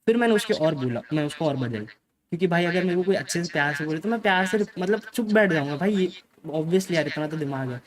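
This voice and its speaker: A man's voice: a little high, animated, fast. A young man telling his viewers a story in a casual way. He talks emphatically, mixes English phrases into his speech and keeps dropping in "okay" as a filler. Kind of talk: casual spoken account to viewers.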